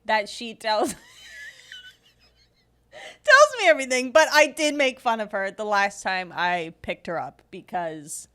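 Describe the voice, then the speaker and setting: A woman co-hosting a comedy podcast, teasing her friend playfully with quick laughs. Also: a little high, sing-song, a bit bright, clear, resonant tone. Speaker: podcast co-host. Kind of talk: casual comedy chat.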